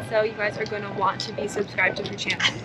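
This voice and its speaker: A woman with clear music in the background. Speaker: guest. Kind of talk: casual vlog chat. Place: open country. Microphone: lapel.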